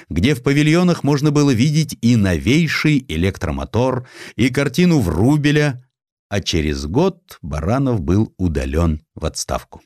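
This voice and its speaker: A man narrating a historical essay as an audiobook, reading from a script in an expressive storytelling way with dramatic emphasis. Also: lowish voice, no echo, clean studio sound.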